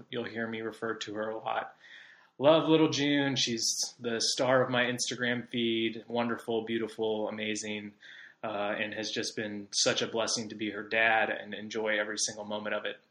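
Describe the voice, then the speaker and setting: A man's voice: fairly low pitch, level tone, normal speed, fairly bright tone, roomy sound. A man of about thirty from Southern California, hosting a podcast in a chatty, rambling monologue with many fillers. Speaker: podcast host. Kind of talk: casual monologue.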